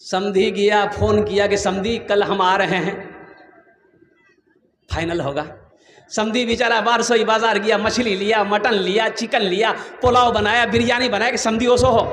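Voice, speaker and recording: A man's voice: high-pitched, fairly even intonation, unhurried, fairly bright tone. A man giving a humorous sermon, telling stories and quizzing the audience. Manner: rhetorical, quizzes the audience, storytelling. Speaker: Islamic preacher. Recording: echoey hall with long reverb.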